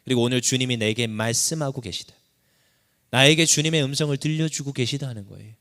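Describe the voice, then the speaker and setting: A man's voice: medium pitch, fairly quick, a bit bright. A man preaching a sermon as pastor, impassioned, his voice climbing sharply whenever he cries out a prayer. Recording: long reverb of a church hall.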